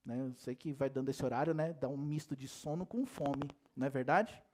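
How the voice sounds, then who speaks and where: In church, a pastor preaches a spirited sermon in a medium-pitched, darkish voice at a brisk pace. Speaking right to the congregation, he asks one rhetorical question after another and keeps breaking into jokes and laughter.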